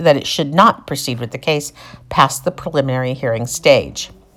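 A woman with an American accent at a fairly quick pace. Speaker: true crime podcaster. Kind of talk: true-crime narration. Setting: home recording. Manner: conversational.

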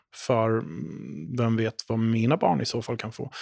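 In a normal speaking voice, a man talks at a moderate pace and a medium pitch. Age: 40s. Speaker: astronomer, panelist with hemophilia. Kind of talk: panel discussion. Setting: office.

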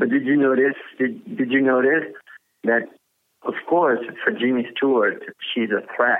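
A man with a French accent, medium in pitch, lively in intonation, very even in loudness, at a moderate pace with long, frequent pauses. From France, Paris. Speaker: film producer and film historian. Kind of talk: interview.

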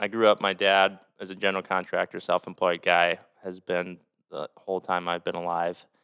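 A man's very deep, low voice with a bright, sharp tone and an Upper Midwest accent, at a moderate pace, dry and close with no echo. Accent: Upper Midwest American. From Minnesota, Twin Cities metro. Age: 20s. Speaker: business owner, podcast co-host. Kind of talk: casual chat.

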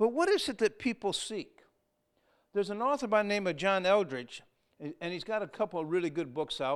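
Speaking at a fairly quick pace, a man with a high pitch uses lively intonation on a very clean recording with a silent background. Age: 60s. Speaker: missionary guest preacher. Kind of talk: sermon. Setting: church.

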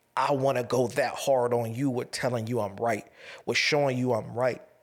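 This is a man with a medium-pitched voice. The recording is very clean, with a silent background. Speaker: podcast host. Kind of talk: solo podcast monologue. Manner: monotone, calm.

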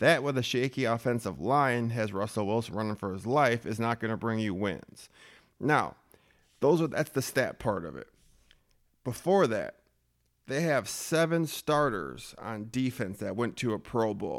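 A man with an American accent speaks at a moderate pace and medium pitch in an unremarkable speaking voice. The recording is very clean, with a silent background. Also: lively intonation. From Minnesota. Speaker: football coach and podcast host. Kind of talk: sports talk podcast, answering listener questions.

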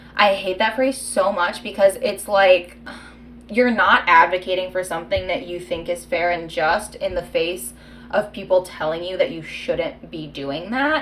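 A woman with an American accent speaks at a medium pitch, her loudness rising and falling sharply. Her intonation is lively, and there is noticeable background noise. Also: moderate pace. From Chicago. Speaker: comedy podcast co-host, improviser. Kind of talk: casual chat. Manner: animated.

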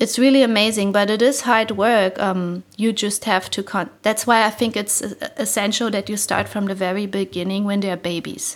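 A German accent, fairly even intonation and a moderate pace. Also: woman, medium pitch for a woman. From Germany. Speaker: podcast host. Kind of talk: casual chat.

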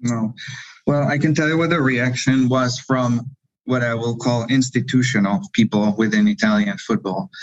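A man speaks at a moderate pace with a Spanish accent. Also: medium pitch for a man, ordinary pitch variation. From Colombia, Bogota. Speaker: football club owner. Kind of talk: interview.

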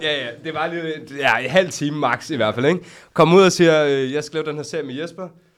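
Recorded very cleanly against a silent background, a man talks at a fairly quick pace in a normal speaking voice, fairly high in pitch with ordinary pitch variation. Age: 20s. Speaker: personal trainer and content creator. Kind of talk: casual chat.

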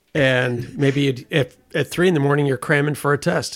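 At a moderate tempo and with ordinary pitch variation, a man talks in an unremarkable speaking voice. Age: 60s. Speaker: retired runner, father-in-law. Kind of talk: casual interview, storytelling. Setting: at home in Florida.

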